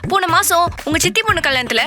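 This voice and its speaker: A woman's voice: very high voice, lively intonation, quick pace, sharp tone, full character voice. An actress playing a forgetful young wife who brushes off her husband's anger in a breezy, innocent way. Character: forgetful young wife, sweet but sly. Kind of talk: comedy web series acting. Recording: music bed under dialogue.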